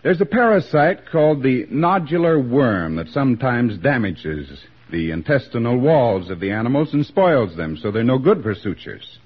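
A man delivering a formal, measured radio commercial as a sponsor's spokesman, in a 1940s broadcast. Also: mid-range voice, very animated, breathy edge, muffled recording.

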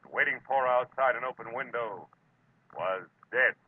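A man's voice: medium pitch, moderate pace, lightly acted. A man acting a world-weary, hard-boiled American private detective with a wry, clipped delivery in 1940s radio drama style. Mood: brooding. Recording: muffled, noisy old radio recording.

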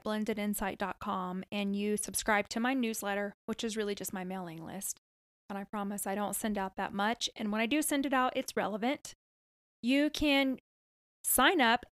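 A woman hosting a podcast on energy healing, speaking in a calm, soothing, reassuring manner. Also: fairly high pitch, dry recording, clean studio sound. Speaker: podcast host and energy healer. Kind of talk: podcast talk and guided healing.

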